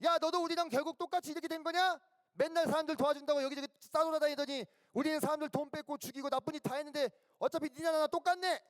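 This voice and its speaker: A man voicing a crude crucified robber with rough, insulting talk. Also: extremely high pitch, steady tone, fast, pitched above the performer's own voice. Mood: scornful. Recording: echoey hall.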